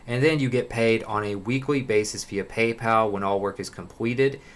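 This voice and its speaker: Young male host, lowish voice, chatty screen-share walkthrough at a desk mic. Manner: conversational, lists details, many fillers. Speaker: online jobs video host.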